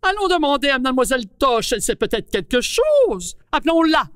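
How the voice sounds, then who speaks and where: Grumpy apple man, played by a woman: very high, slow, indignant, in a reverberant space. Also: big pitch swings, fairly bright tone. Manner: indignant, exclaiming. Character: grumpy male apple, hates rain, shouts.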